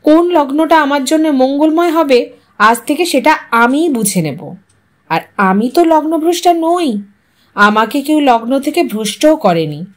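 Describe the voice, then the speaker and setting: A woman's voice: high-pitched, expressive, measured pace. A woman storyteller voicing a defiant, principled young bride in an audio story, speaking in firm declarations.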